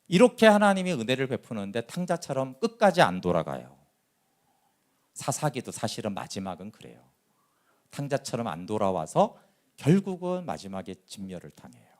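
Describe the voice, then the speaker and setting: A man preaching a sermon as pastor, telling stories with lively quoted voices and asking the congregation questions. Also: mid-range voice. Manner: animated storytelling, acting out quoted voices.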